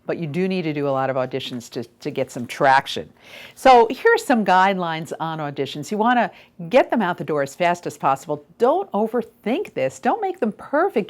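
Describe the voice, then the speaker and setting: Woman coach, very animated low-pitched delivery. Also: normal speed. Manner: emphatic, stressing key words, direct advice. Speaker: voiceover coach and host. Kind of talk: instructional video talk to camera.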